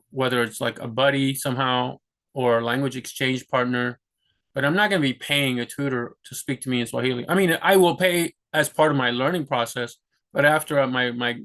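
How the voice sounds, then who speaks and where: Young man, casual vlog monologue, rambling with lots of restarts, mid pitch. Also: fairly bright tone. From United States. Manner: rambling, many restarts and "like" fillers. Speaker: vlogger. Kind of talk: casual talk to camera.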